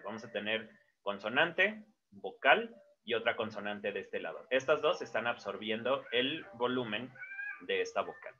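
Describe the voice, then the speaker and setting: Bright-voiced male teacher. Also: medium pitch. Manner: explanatory, with frequent fillers and self-corrections. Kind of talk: casual whiteboard lesson. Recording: dull lo-fi sound.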